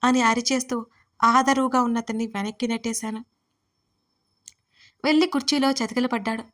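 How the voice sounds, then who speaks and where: A woman narrating a first-person romance audio story in a lively, dramatic way. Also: a little high, normal speed.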